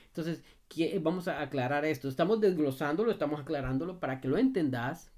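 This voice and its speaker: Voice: medium pitch, a little mellow. Dog trainer, casual advice video: direct, emphatic, repetitive, checks in with "ok?". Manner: emphatic and repetitive, often asks "ok?"; talks straight to the viewer in familiar second person.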